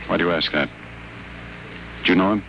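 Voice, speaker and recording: An actor playing a wry, wary sanitarium patient with a dry, articulate delivery in a 1950s radio drama. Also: male voice, low voice, fairly quick, creaky, fairly bright tone, low-quality recording. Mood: guarded. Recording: old 1950 radio broadcast, faint noise.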